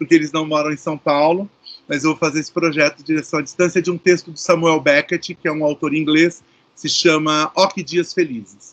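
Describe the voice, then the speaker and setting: A man speaks at a moderate pace in an ordinary speaking voice, his pitch fairly high for a man. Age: 60s. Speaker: actor and theatre director. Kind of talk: interview.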